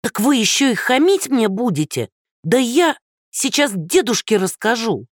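A storyteller voicing a cranky old woman neighbor who scolds in a shrill, hoarse voice. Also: big pitch swings, unhurried, a bit bright, dry recording, studio quality, full character voice.

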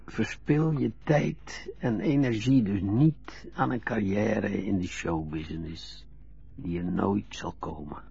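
A frail, lonely old widower. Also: male voice, on the low side, vocal fry, dark tone, husky, soft background music, full character voice. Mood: earnest. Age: older. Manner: slow, halting, stammering. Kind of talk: radio drama acting. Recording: dull lo-fi radio play recording.

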